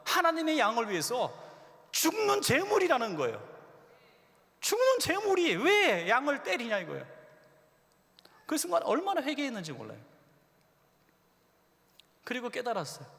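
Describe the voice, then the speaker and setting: A man preaching a revival sermon as a pastor, telling stories and acting out quoted voices with lively swings. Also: very high voice, moderate pace, creaky, pauses often. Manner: animated storytelling preacher, acts out quoted voices. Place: church sanctuary. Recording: long church hall reverb.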